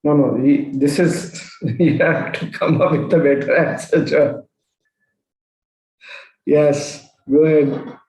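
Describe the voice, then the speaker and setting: A man, a spiritual teacher telling a story to an online group, slow and pausing, often asking his listeners questions. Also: on the high side, steady tone, darkish tone. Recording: roomy echo.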